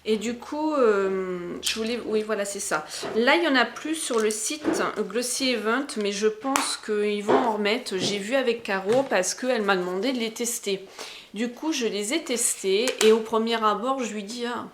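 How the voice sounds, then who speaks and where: A woman's voice: fairly high pitch, normal speed, noisy background. A woman with a Berrichon accent from the Berry region of France, chatting casually as a beauty vlogger showing makeup she bought. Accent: Berrichon French. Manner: chatty, enthusiastic, slangy.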